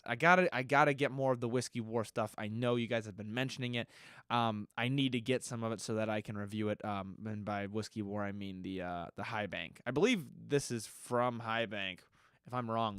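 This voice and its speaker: A man's voice: on the low side, normal speed, a bit bright, clean tone, dry recording, studio quality. A man hosting a solo podcast, answering listener questions in a loose, rambling way and often correcting himself, his nose a little stuffy. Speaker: podcast host.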